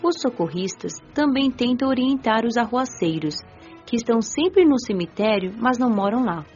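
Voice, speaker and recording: A woman playing a gentle, devout young spirit who recounts the afterlife in measured, reflective radio drama narration. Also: fairly high pitch, expressive, highs cut off, natural voice. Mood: reflective, serene. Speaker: narrator and lead of an audio drama. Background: music.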